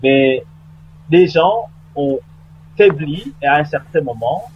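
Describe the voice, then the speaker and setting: A man's voice: a little high, animated, slow. Earnest man on a lo-fi radio line. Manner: earnest, hesitant with many fillers. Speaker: debate guest. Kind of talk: radio debate call-in. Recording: dull lo-fi radio line with faint noise.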